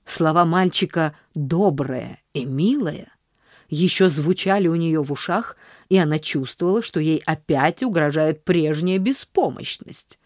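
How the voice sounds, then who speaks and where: A woman narrating an audiobook in a measured, even storytelling manner. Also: low voice, dry recording, clean studio sound.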